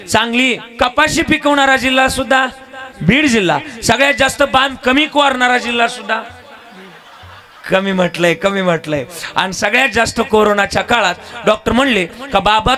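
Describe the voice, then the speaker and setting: A man with a strikingly high voice delivers a devotional kirtan sermon to a village gathering. He asks rhetorical questions, prompts the crowd to answer back, and slips into song. His voice comes through a microphone, with devotional instruments playing clearly underneath. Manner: animated, rhetorical call-and-response, breaks into song. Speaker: kirtan preacher. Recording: live music accompaniment.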